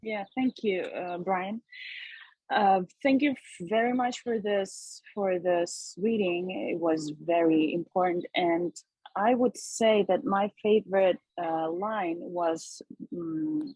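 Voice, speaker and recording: A woman from Ukraine giving reflective comments on a video call, haltingly searching for her words. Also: mid-range voice, darkish tone, breathy edge, no room sound, low-quality recording. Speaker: discussion participant.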